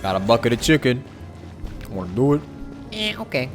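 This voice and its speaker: A man's voice: mid-range voice, sing-song, fairly quick, over music. A man live streaming a video game, chatting casually and reading aloud in an offhand way. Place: indoors, streaming with game music behind.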